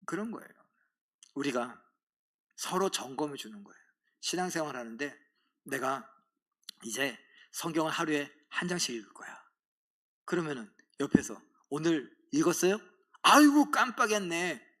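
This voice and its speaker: A man's voice: mid-range voice, bright, forceful tone. A middle-aged man, a pastor, preaching a sermon in a church, telling stories animatedly and mimicking other people's voices. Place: church sanctuary.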